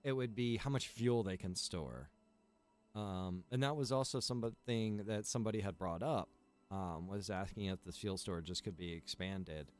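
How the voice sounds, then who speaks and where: A man's voice: sits low, normal speed, soft background music. A man who runs and develops a game server, chatting casually on a livestream, rambling with lots of fillers and listing features one by one.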